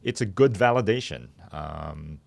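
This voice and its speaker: A man speaking as an interview guest and startup founder, explaining his business in a conversational, halting and measured way in a studio. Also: low-pitched, expressive, creaky, dry recording.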